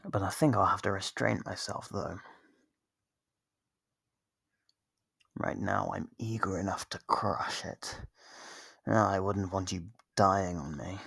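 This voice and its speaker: An actor voicing a smug, possessive, centuries-old vampire in an ASMR roleplay, slow and condescending, with a gravelly, husky voice and whispered phrases. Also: low voice, fairly even intonation, fairly bright tone, no echo, clean studio sound, exaggerated voice. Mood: smug, hungry. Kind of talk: ASMR roleplay monologue to the listener.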